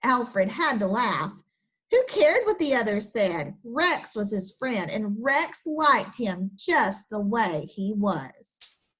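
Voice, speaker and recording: Casting: young woman teacher, storybook read-aloud, high lively voice, unhurried. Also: rough recording. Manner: slow, expressive storybook reading with lively pitch. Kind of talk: children's picture book read-aloud and lesson.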